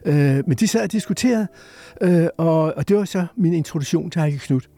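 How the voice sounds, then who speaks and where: Older man telling lively anecdotes. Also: fairly high pitch, gravelly, no echo. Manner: lively storyteller who acts out quoted voices. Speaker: storyteller guest.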